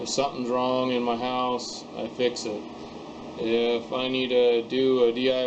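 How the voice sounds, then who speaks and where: A mumbling man of medium pitch, monotone and flat, with noticeable background noise. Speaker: hobbyist DIY YouTuber. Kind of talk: casual direct-to-camera talk.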